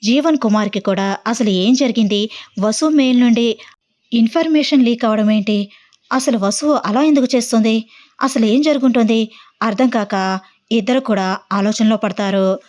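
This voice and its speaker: A woman narrating an audio story in a steady, plain reading voice. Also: a little high, normal speed.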